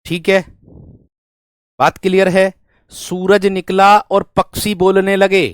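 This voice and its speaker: A man's voice: sits high, flat delivery, slow pace, clean tone, no room sound. A man giving a classroom grammar lesson, dictating example sentences, repeating phrases and often checking that students follow with familiar rhetorical questions. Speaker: Hindi grammar teacher.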